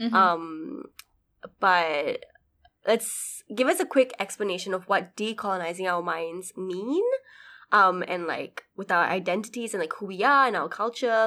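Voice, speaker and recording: With an unremarkable speaking voice, a woman of medium pitch talks fairly slowly on a very clean recording with a silent background. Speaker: podcast co-host. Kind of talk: casual chat.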